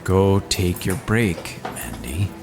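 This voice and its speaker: A gruff small-town cafe owner, played by a man in an audio drama. He speaks in a low voice, blunt and commanding. Music runs clearly behind him. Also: sing-song, slow, exaggerated voice. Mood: menacing.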